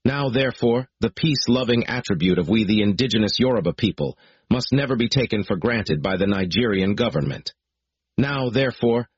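A man reading out a formal political declaration in a solemn, deliberate, measured way. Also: lowish voice, breathy edge, no room sound. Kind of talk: formal read proclamation. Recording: dry, dull lo-fi recording.

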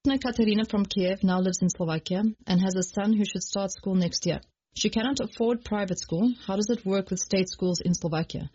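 A woman from South Africa hosting a radio feature, speaking in a clear, measured scripted delivery from a studio. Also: medium pitch, mellow, no echo. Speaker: radio host. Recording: dull lo-fi radio broadcast.

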